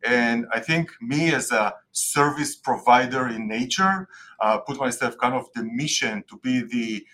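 Israeli man, halting with fillers. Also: medium pitch, pushed and bright. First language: Hebrew. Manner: many fillers, searching for words. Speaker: guest tax expert. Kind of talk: casual interview answers.

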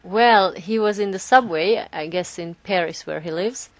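A woman co-hosting a language podcast, cheerful and quick to laugh. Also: mid-range voice, no room sound. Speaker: podcast co-host, native speaker. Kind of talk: casual podcast talk.

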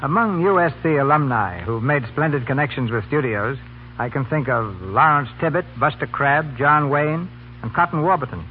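A man's voice: mid-range voice, lively intonation, normal speed, narrow, tinny audio, a little hiss or hum. A man hosting a 1930s radio broadcast in a formal, polished, scripted style. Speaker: host.

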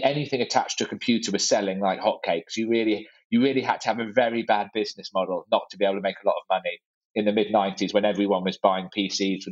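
A man's voice: lowish voice, highs cut off. A man in his forties, born in Hong Kong, answering interview questions with dry, self-deprecating humor and lots of hesitant fillers. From born in Hong Kong, raised abroad. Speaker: guest, startup founder. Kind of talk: conversational interview.

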